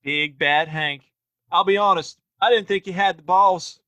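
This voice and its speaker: A man's voice: sits high, unhurried, bright, forceful tone, dry recording, muffled recording. A man acting a cocky, taunting young sheriff's son in a Western audio play, using folksy wording.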